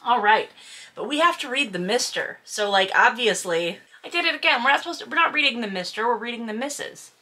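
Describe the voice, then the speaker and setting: Sardonic woman with a bright, forceful voice. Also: on the high side, animated, fairly quick. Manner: sardonic, incredulous, emphatic; casual, swearing. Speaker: host reading a book aloud with commentary. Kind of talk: reading aloud with sarcastic running commentary.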